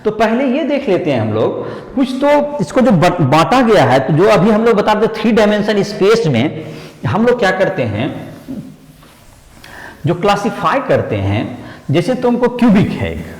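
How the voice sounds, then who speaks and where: A man's voice: high voice, very animated, normal speed. A man teaching a chemistry lesson, mixing Hindi and English and quizzing students with repeated rhetorical questions. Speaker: chemistry tutor. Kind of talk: classroom lecture. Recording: echoey room with long reverb.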